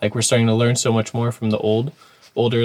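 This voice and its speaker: This is a man talking in an American accent. His voice sits at a medium pitch. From Southern California (Dana Point). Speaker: slackliner and photographer. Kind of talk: casual interview. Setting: podcast recording with microphone.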